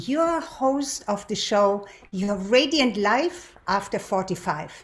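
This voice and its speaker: A native German speaker in her seventies, with a German accent and a medium-pitched voice, hosts a show as a lifestyle and relationship coach. She introduces herself to viewers and tells her personal story deliberately, using rhetorical questions.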